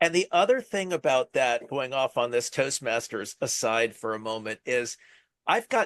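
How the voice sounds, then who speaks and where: In a normal speaking voice, a man talks at a fairly slow pace with lively intonation against a quiet background. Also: dry, close sound with no echo. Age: 60s. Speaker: podcast host and speaker. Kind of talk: podcast interview.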